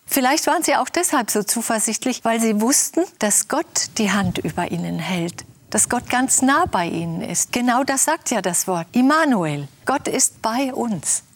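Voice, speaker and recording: A middle-aged woman telling a personal Advent story as a devotional, gently and intimately, dropping to a whisper for quoted lines. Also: on the high side, animated, normal speed, few pauses. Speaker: devotional speaker.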